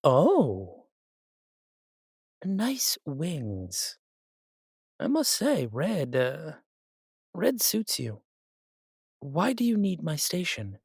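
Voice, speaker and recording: A man's voice: fairly high pitch, wildly swooping pitch, very slow, creaky, long pauses, husky, no echo, studio quality, heavily acted. A man playing a chatty, fussy angel in an audio drama, with theatrical, musing asides. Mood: wry, teasing. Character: chatty, fussy, coffee-loving male angel, teasing elder brother.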